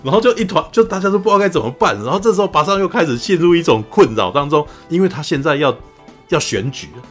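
A man's voice: on the high side, expressive, quick pace, faint music behind. A man hosting a podcast, retelling a drama's plot in casual chat with many fillers, acting out quoted lines in a raised voice. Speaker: podcast host.

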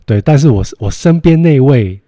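A man's voice: medium pitch, expressive, normal speed, warm tone, dry recording, studio quality. A man with a Taiwanese Mandarin accent bantering casually as a podcast co-host, reluctant and contrarian, with an exasperated way of talking.

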